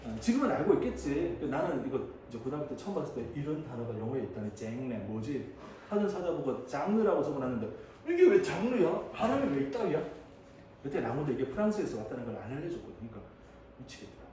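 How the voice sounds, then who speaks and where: A man in his thirties teaching high school English, chatting and joking with his students as he calls on them to read. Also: big pitch swings, fast, warm tone, far from the mic. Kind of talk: classroom lecture. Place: classroom. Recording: echoey room, voice off-mic, faint hiss.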